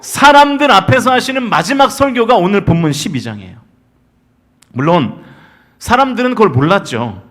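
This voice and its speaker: A man in his forties, the senior pastor, delivers a Sunday sermon in a church sanctuary. His high, sing-song voice moves at a moderate pace, alternating between loud, emphatic calls and gentle storytelling.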